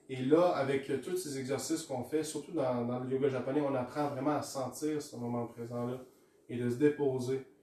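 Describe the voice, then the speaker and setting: Noticeable background noise sits behind a man speaking at a medium pitch. His intonation is fairly even. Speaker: meditation teacher. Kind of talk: talk. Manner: fast; halting.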